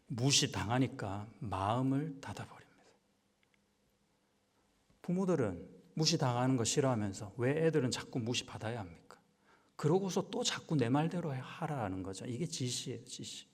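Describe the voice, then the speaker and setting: A man serving as pastor delivers a sermon in a church sanctuary, his voice carrying a long hall reverb. His pitch sits in the middle, and he speaks to the congregation conversationally, often posing rhetorical questions.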